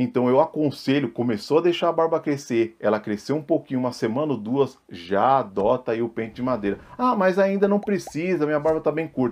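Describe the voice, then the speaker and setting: Speaking with a Brazilian accent, a man sounds animated, with a fairly high pitch, lively intonation and a fairly quick pace. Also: hardly any pauses. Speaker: beard care YouTuber. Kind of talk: Q&A tutorial vlog. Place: home room.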